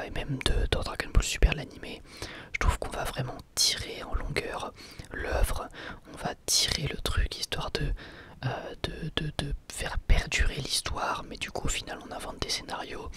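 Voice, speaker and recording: A man hosting an ASMR channel, answering viewer questions in a soft, hesitant whisper with frequent pauses. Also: on the high side.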